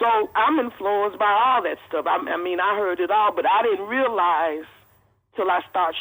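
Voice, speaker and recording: A woman with an American accent uses a normal speaking voice. Her intonation is lively and her pace moderate. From Chicago, US Midwest. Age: 50s. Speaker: blues singer. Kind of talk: podcast interview.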